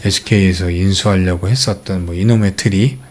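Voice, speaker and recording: A man's voice: low-pitched, fairly even intonation, fairly quick, darkish tone. A middle-aged man hosting a stock channel, talking casually through charts step by step with lots of fillers. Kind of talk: casual stock market commentary.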